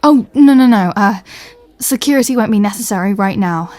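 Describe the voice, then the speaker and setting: A woman's voice: mid-range voice, expressive, moderate pace, a little mellow, no echo, close to an everyday voice. A woman playing a sardonic, fed-up superhero in a comedy audio roleplay, speaking in a dry way. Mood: polite, awkward. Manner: dry, irritated, sarcastic.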